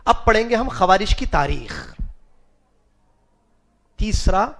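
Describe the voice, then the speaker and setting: A high-voiced man lecturing a class, pausing to quiz his students and chuckling at their answers. He spells out Arabic root letters one by one and slips English words into his explanations. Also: animated, vocal fry, fairly bright tone, slight background noise. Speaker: religious teacher.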